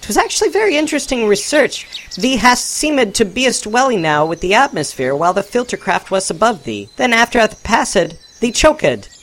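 A man's voice: high-pitched, sing-song, moderate pace, few pauses, a bit bright, pitched above the performer's own voice. A man voicing a precocious six-year-old boy clone who speaks in mock-archaic English. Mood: matter-of-fact. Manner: mock-archaic speech, sassy and knowing.

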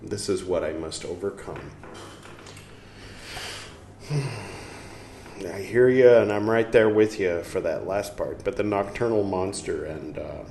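Male reader-host, unhurried and musing, low voice, echoey room with faint music. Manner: unhurried, musing, talks back to the text. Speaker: podcast host reading aloud. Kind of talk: slow reading with casual asides. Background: soft instrumental music.

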